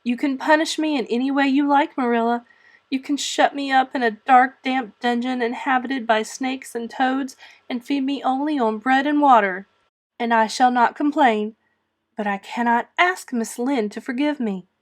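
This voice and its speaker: Here is an eleven-year-old orphan girl acted by a woman from a storybook. She speaks high and emphatically, with wounded pride. She pleads and defies with great melodrama. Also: fairly even intonation, normal speed, lightly acted. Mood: defiant, mournful.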